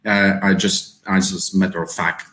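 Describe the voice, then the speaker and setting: A man's voice: low voice, little pitch movement, normal speed, pushed and bright. A man from the Czech Republic with a Czech accent, hosting a live webinar and speaking hesitantly with many fillers and repeated words. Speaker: webinar host. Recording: roomy echo.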